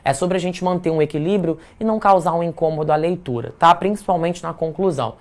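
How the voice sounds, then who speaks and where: A man's voice: a little high, quick pace. A Brazilian man teaching a live online writing class, in a chatty, playful way that keeps checking in with the audience. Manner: chatty, playful, tags remarks with "tá?".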